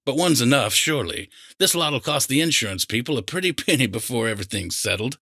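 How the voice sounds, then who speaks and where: A man's voice: mid-range voice, lively intonation, brisk, pushed and bright, no echo, clean studio sound, pitched above the performer's own voice. A man voicing a cheerful, chatty neighbour in an audiobook, with a genial, folksy, old-fashioned way of talking. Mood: good-humored. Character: cheerful, chatty male neighbour, an enthusiastic gardener. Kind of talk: audiobook character acting.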